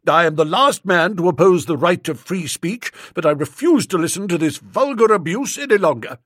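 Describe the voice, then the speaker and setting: A man's voice: sits high, animated, moderate pace, fairly bright tone, no room sound. Guy narrator doing stuffy old fat lord, formal and wordy, dry close sound. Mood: offended. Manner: stiff, formal, long-winded. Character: pompous elderly newly made lord, stout.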